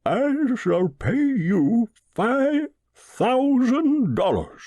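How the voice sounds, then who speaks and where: High, slow, pompous old gentleman. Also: very animated, dry recording, full character voice. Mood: grave, deliberate. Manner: grave, pompous, drawn-out delivery. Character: solemn, grandiose rich old man planning his tomb.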